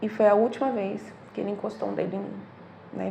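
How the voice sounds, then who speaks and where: A woman at a medium pitch and a fairly quick pace. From Brazilian Northeast (Bahia, Pernambuco, Alagoas). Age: 40s. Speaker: abuse survivor interviewed on a social program. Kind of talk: personal testimony in an interview. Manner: halting at times.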